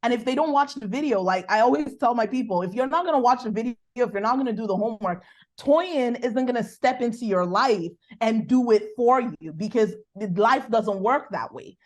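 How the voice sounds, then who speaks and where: Brief: Nigerian-accented woman, business coach guest, animated sermon-like delivery. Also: a little high. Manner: animated, preacherly, bursts of quick speech. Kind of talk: faith-based coaching conversation.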